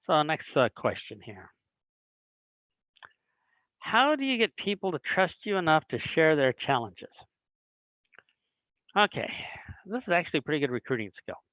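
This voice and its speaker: Lively man on a tinny video call. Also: fairly high pitch, no room sound. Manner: animated, acts out little dialogues. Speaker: webinar presenter. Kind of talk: recruiting training talk. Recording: dry tinny phone-like online call audio.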